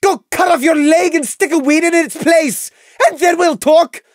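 A young female pony at the end of her tether. She is high-pitched and shrill, ranting through tears with bitter spite. It is a storybook character in full despair, recorded very dry. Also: normal speed, no room sound. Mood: spiteful rage. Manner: shrieking, tearful, spiteful ranting.

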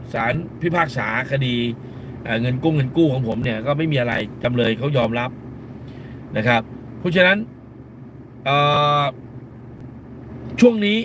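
A man's voice: on the high side, fairly bright tone, slight background noise. A middle-aged man, a lawyer hosting a live stream, talks bluntly in casual commentary and scolds with crude slang, repeating phrases for emphasis.

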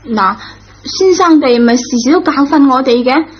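A woman's voice: sits high, animated, normal speed, breathy edge. A woman playing a contrite, naively frank teenage schoolgirl, earnest and hesitant, in a Cantonese radio drama. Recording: dull lo-fi old radio recording.

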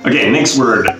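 A young man with a Swedish accent doing a casual quiz vlog, playful and laughing often as he sounds words out slowly, recorded on a webcam in a small bare room. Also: mid-range voice. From Sweden. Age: young adult. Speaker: YouTuber. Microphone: webcam framing, head and shoulders. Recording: echoey bare room, faint guitar music.

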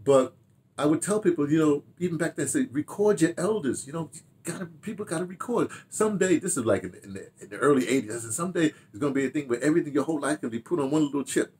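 An American man in his seventies reminiscing casually to camera in an animated, rambling way, with repeated phrases and asides. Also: a little high, fast talker, a little hiss or hum. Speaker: audio dramatist and theater director telling his memoirs. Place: small home study, indoors.

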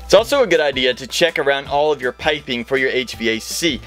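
A man's voice: medium pitch, fast, a bit bright, faint music behind. A middle-aged man hosting a home improvement lesson, explaining practical steps in a plain-spoken, instructional way. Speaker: host of a home improvement how-to show. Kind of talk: instructional how-to explanation to camera.

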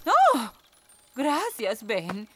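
A prim, bossy cartoon fairy nanny. She is theatrical and lively, slightly high and unhurried, with music behind her. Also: heavily acted. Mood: prim, pleased. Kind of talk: animated children's cartoon dub.

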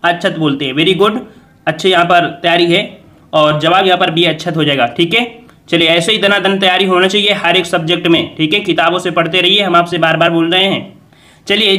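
A man's voice: high voice, pushed and bright. A man teaching an exam revision lesson, quizzing viewers and repeating each answer as a question.

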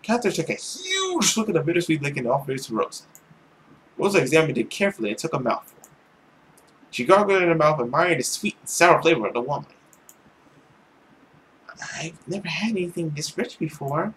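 A young man reading a visual novel aloud dramatically, with an expressive, theatrical manner. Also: on the high side, quick pace, a little hiss or hum, poor audio. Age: young adult. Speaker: let's play host. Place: small indoor room at home. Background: music.

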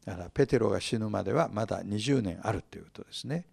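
A man's voice: fairly low pitch, lively intonation, very fast, creaky, darkish tone, slightly rough, no echo, studio quality. A man teaching the Bible in a sermon, reading scripture and retelling it with humor and chuckles.

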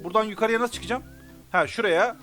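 A man giving let's play commentary, excitable and often frustrated and cursing. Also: high voice, quick pace. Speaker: gamer. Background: game music.

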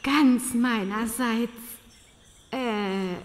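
An actress playing a polite, slightly awkward countess in an audio drama, formal and hesitant. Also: female voice, on the high side, extremely slow. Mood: politely flattered. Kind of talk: German audio drama acting. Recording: reverberant hall.

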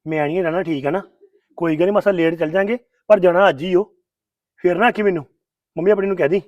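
A man's voice: sits high, quick pace, darkish tone, no room sound, dull audio, natural voice. A man playing an impatient young husband. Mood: insisting. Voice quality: insistent, grumbling. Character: impatient young husband eager to head home. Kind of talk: Punjabi family drama acting.

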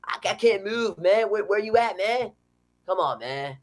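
Picture the sea itself as a stranded, whiny surfer guy, all "like" and "man" in a lazy drawl, as a man puts it on. His voice sits a little high for a man. The bit plays as improv comedy. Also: lively intonation, a little slow. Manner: slacker drawl full of "like" and "man". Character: laid-back male ocean waves stuck on shore.

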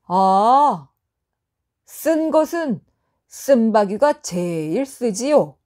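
A woman voicing a nonchalant male scholar on horseback who answers with deadpan wordplay. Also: fairly high pitch, drawn-out words. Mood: smug.

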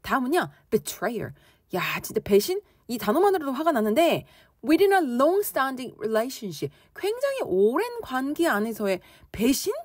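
A slightly husky woman with a lively, bouncing pitch, teaching English conversation and playfully acting out angry reactions. Her voice sits a little high, recorded close and dry with no room sound. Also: a little slow, no echo. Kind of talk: explaining English expressions in Korean.

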